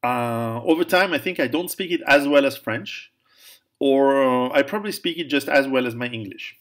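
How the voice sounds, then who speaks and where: A man speaks in a casual question-and-answer monologue at a middle pitch. He stumbles and restarts often, fills pauses with "um", and chuckles at his own jokes. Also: a bit bright. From Italy, raised in Switzerland. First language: Italian. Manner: hesitant, many restarts and fillers, laughs at own jokes. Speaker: author answering viewer questions.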